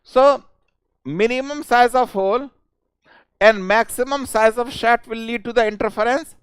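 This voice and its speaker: A man with a South Indian accent and an extremely high-pitched voice teaches a live online exam-prep class, speaking unhurriedly. Informal and chuckling, he coaxes his students, insistently repeating his questions and phrases. The studio-quality sound is clean, with no echo.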